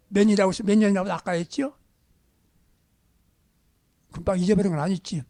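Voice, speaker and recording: A man preaching a sermon as pastor, emphatic and exhorting, dropping at times to hushed near-whispers. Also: extremely high pitch, no echo, clean studio sound.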